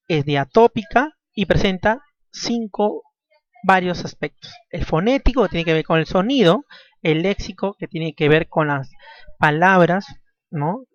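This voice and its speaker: A language teacher with a high-sitting voice repeats the key points of his classroom lecture, finishing almost every phrase with a questioning tag. No room sound is audible in the dull, dry, lo-fi recording.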